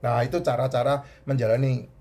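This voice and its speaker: A man's voice: mid-range voice, flat delivery, fairly quick, warm tone. A middle-aged man with a stuffy, nasal voice, giving health advice in a casual talk, often repeating himself. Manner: chatty, repeats points, restarts words.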